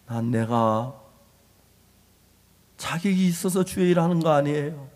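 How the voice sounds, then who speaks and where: A male pastor preaching an impassioned sermon, emphatic and repetitive, swinging from loud to hushed. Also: on the high side, expressive, a little slow. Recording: long hall reverb.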